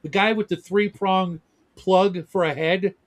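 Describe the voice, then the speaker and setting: A man's voice: high voice, steady tone, a little slow, dry recording. A man co-hosting a casual livestream chat, rambling and swearing with lots of restarts. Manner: rambling, profane, with frequent restarts. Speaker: co-host.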